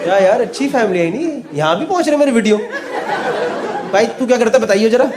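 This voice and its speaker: A man's voice: very high-pitched, lively intonation, quick pace. A male stand-up comedian doing teasing crowd work, switching between Hindi and English. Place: live comedy venue with laughing audience. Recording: loud crowd and noise from a live show.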